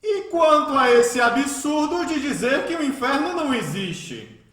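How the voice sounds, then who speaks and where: Frenetic high-pitched fanatical priest. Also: male voice, big pitch swings, measured pace, fairly bright tone, full character voice. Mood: scornful. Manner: frenetic, declamatory, mocking, insistent. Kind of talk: radio drama acting, oratorical. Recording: roomy, echoing voice.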